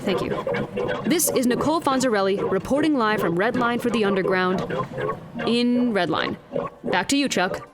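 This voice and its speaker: A woman playing a wry, exasperated field news reporter in an audio drama, speaking in a crisp, pointed broadcast style. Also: a little high, normal speed, long pauses, over loud music, natural voice.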